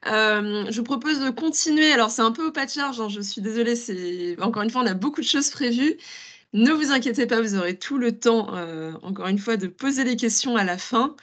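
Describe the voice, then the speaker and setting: A woman moderating an online information session, talking briskly and apologetically, with frequent hesitations. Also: on the high side, fairly bright tone. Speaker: national contact point moderating a webinar. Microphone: video call.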